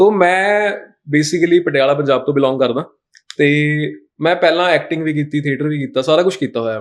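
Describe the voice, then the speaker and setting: At a moderate pace, a man with a slight Punjabi accent speaks at a fairly high pitch with ordinary pitch variation. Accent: Punjabi touch in Hindi. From Punjab, India (Patiala). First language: Punjabi (speaking Hindi). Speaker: hair transplant patient, comedy video creator. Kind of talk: interview testimonial. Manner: casual, code-mixed Hindi-English.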